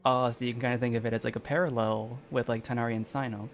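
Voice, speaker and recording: A man streaming a game, reacting casually in informal, loosely phrased, halting remarks. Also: mid-range voice, flat delivery, faint music behind. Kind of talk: casual live reaction commentary.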